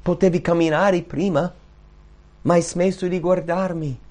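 A man voicing Jesus gently asking a doubting disciple why he doubted, in a retold Bible story. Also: high-pitched, steady tone, measured pace, pitched above the performer's own voice. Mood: gentle reproach.

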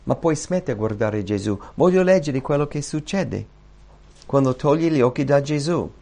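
A man preaching a sermon in animated storytelling style, acting out Bible scenes and repeating key phrases for emphasis. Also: mid-range voice, normal speed.

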